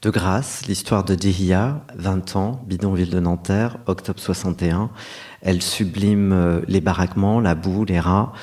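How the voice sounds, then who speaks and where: A middle-aged male novelist with a deep, low-pitched voice. He speaks reflectively and earnestly in an interview, often pausing with hesitations as he gathers his thoughts. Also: darkish tone. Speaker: novelist guest. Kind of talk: interview conversation.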